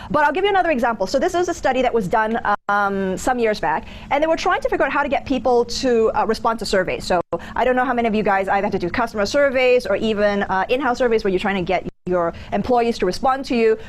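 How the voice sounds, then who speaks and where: Quick higher-voiced woman lecturing casually, singaporean-american accent, bit of room noise. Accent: mixed Singaporean and American. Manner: animated, informal, conversational. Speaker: business school lecturer. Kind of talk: interactive lecture with anecdotes. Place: lecture theatre with audience.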